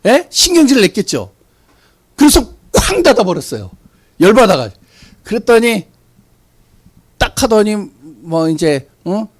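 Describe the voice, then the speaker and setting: A male pastor delivers a sermon full of lively storytelling and rhetorical questions, frequently sinking abruptly into a hushed voice. His pitch is high, his delivery unhurried, and he pauses a lot.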